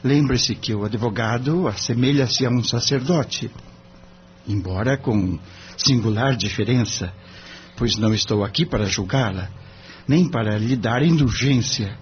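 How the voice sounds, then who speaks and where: A man voicing an earnest, polite young lawyer gently reassuring a client. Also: mid-range voice, unhurried, lightly acted. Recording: dull lo-fi with faint noise.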